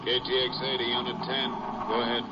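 An actor playing an efficient police radio officer in a 1950s drama, giving clipped, businesslike calls on a muffled old broadcast. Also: male voice, mid-range voice, completely flat delivery, a little fast, very noisy, natural voice. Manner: crisp, businesslike.

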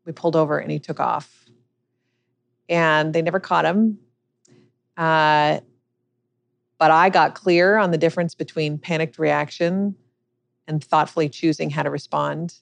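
Gravelly-voiced woman telling a story. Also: low-pitched, steady tone, unhurried, long pauses. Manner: earnest, reflective storytelling. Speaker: guest, business coach and author. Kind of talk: podcast interview storytelling.

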